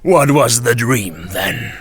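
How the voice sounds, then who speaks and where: A man voicing a gruff, ill-tempered male devil in a storybook reading, with slow, drawn-out, loud delivery. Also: mid-range voice, expressive, faint music behind, pitched above the performer's own voice. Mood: scornful.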